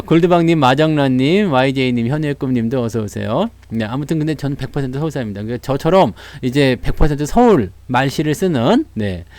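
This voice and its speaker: Brief: male livestream host with Jeolla dialect, lively pitch, dry close sound, chatty and laughing. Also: dry recording. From Seoul, South Korea. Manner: chatty, greets viewers, laughs often, mimics voices. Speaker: stock market livestream host. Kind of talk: casual livestream talk.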